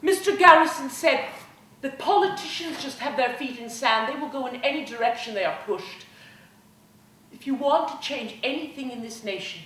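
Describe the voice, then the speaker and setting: A woman playing an earnest, gentle woman abolitionist who speaks in measured, pleading oratory, in an echoey hall. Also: high-pitched, lively intonation, distant mic. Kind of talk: one-woman historical storytelling performance. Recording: echoey hall, faint room noise.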